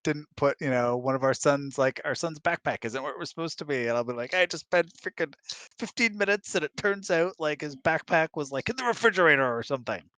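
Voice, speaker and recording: A middle-aged husband co-hosting a casual chat rambles along, acting out imagined remarks as he talks. His voice sits on the high side, expressive, fairly quick, bright and forceful. He's on an online voice chat in a close, dry room, and the recording is dry.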